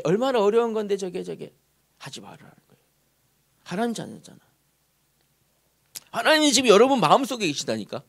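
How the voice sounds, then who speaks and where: A high-pitched male pastor delivers a lively sermon inside a church sanctuary, often turning to ask the congregation questions.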